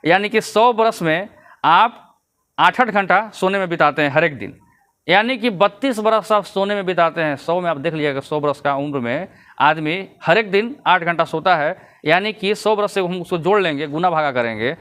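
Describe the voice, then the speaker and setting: A man's voice: fairly high pitch, a little fast, a bit bright, smooth. A man giving casual vlog commentary, lecturing his viewers and chuckling between points. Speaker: YouTube commentator.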